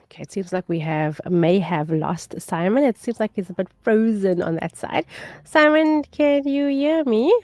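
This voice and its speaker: A woman with a South African accent hosting a live morning radio show, bubbly and quick with some fillers. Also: mid-range voice, expressive, a little mellow, no room sound, clean studio sound. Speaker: radio host.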